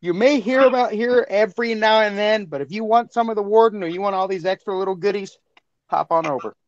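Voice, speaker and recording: Excitable high-voiced man, dry lo-fi sound. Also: a little fast, no echo. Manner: excitable, repeats himself. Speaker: podcast co-host. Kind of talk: casual chat.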